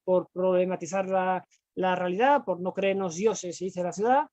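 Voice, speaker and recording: A man's voice: high voice, fairly even intonation, moderate pace, darkish tone, dry recording. A man, a guest explaining philosophy in conversation, who talks on in long runs full of fillers and rhetorical tags. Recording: dull, lo-fi dry sound.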